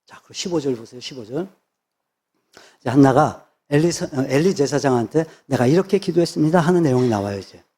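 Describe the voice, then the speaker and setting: A man's voice: medium pitch, expressive, brisk, warm tone. A man, a pastor, preaching a sermon with emphatic repetition of phrases. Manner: emphatic, repeats phrases for stress.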